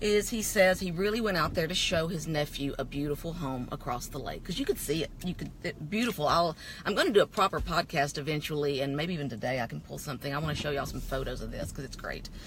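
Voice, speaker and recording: Speaking with an East Texas accent, a woman uses a very deep, low pitch in an animated tone with lively intonation. She talks at a very fast pace with hardly any pauses. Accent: East Texas Southern US. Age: 50s. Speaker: social media speaker and entrepreneur. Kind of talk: casual vlog storytelling. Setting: in a car.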